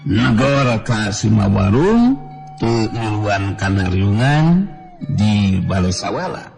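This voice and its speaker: A man from West Java narrating a folk tale as a storyteller, in a measured way. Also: on the low side, vocal fry. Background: background music.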